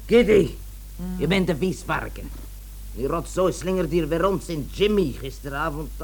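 A woman's voice: deep voice, animated, moderate pace, darkish tone, breathy edge, full character voice, poor audio. An actress playing a brazen middle-aged mother, bossy and teasing, in a Dutch radio play. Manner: teasing, prone to cackling. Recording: old radio recording, faint hum.

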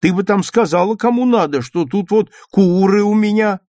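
A man's voice: high voice, dark tone, dry recording, studio quality, pitched above the performer's own voice, lightly acted. A man voicing a fussy, anxious old grandmother who grumbles and scolds in a storybook reading. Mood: fretful. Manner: grumbling, fretful, quick to scold.

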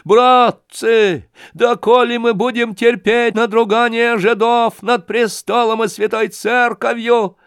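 A nasal, brutish thug who roars his words high and loud in a dry storybook reading, as the male narrator puts him on. He pushes his voice way up above a plain speaking tone. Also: steady tone, slow, hardly any pauses, clean tone, dry recording, full character voice. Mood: whining. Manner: bellowing, shouting.

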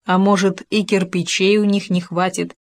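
A woman's voice: mid-range voice, moderate pace, close to an everyday voice. A woman voicing a small, curious and bold male hamster who speaks eagerly in a storybook reading. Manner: lively and eager.

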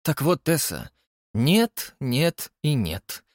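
A man's voice: mid-range voice, sing-song, very slow, no room sound, studio quality. A man voicing a vain, eccentric male artist who talks dramatically and indignantly, in an audiobook reading. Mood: impassioned. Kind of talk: audiobook character voice.

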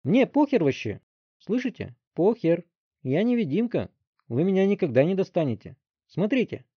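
A man's voice: medium pitch, expressive, fairly quick, no echo, close to an everyday voice. A man voicing a sarcastic, brash thirteen-year-old boy in an audiobook story, on a dry, slightly dull recording. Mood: boastful. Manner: sarcastic, brash, yelling taunts. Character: cocky 13-year-old boy with a smart mouth.

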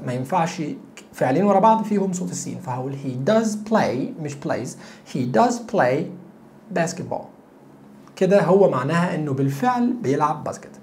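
A man with an Egyptian Arabic accent teaching English grammar, repeating example sentences slowly and asking the viewer rhetorical questions. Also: a little high, a little mellow, slight background noise. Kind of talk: grammar lesson explanation.

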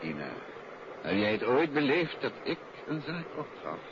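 Casting: man to play unruffled radio-play detective, emphatic and expressive, assured husband type; dull, hissy 1950s sound. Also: mid-range voice, close to an everyday voice. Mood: calm. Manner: confident, emphatic, measured. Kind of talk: 1950s Dutch radio drama acting. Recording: muffled, noisy 1950s radio recording.

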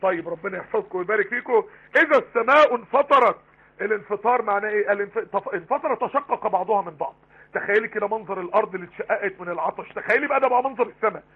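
Rapid Egyptian preacher, tinny online stream. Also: male voice, high-pitched, slightly rough. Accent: Egyptian Arabic. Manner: rapid, emphatic, rhetorical questions. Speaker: Quran teacher. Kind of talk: live online Quran lesson. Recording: tinny phone-line broadcast.

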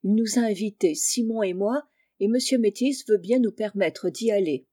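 A woman's voice: medium pitch, moderate pace, dark tone, no echo, studio quality, close to an everyday voice. A woman reading the part of an eager, earnest poor country boy in a storybook.

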